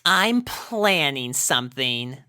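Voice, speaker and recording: A man puts on a sly young filly for a storybook tale. The voice is lifted in pitch, cocky and coy, teasing and a touch slow. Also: big pitch swings, pushed and bright, smooth, no echo, clean studio sound, exaggerated voice. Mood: coy eagerness. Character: cocky, sly young girl pony schemer.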